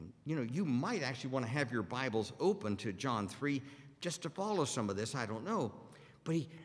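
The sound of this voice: Reading in an unforced voice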